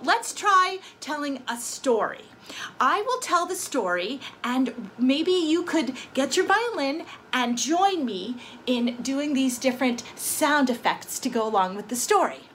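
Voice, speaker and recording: A woman teaching violin sound effects in a gentle, patient, step-by-step way, and telling a story along with it, with violin playing between her phrases. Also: sits high, slight background noise. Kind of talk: children's music lesson with storytelling.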